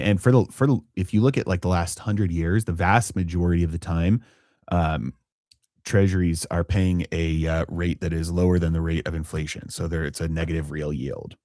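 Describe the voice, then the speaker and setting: A man with a very deep voice hosts a live finance stream, giving market commentary while thinking aloud. He's halting, with frequent fillers and restarts, and the sound is dry and close with no room sound at all.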